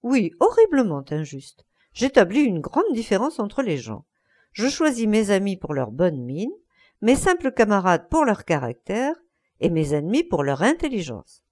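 Cynical young lord, airy and ironic, lively intonation , read by a woman. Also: mid-range voice, normal speed. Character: witty, languid aristocratic young lord, cynical.

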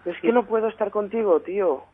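A woman's voice: mid-range voice, brisk, breathy edge. A woman on a radio call, talking hesitantly and apologetically. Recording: tinny phone line.

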